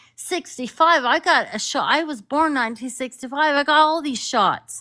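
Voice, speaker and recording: On a very clean recording with a silent background, a woman uses a raised, projected voice with a bright, sharp tone and ordinary pitch variation. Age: 60s. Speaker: caller. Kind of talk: heated debate. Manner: animated.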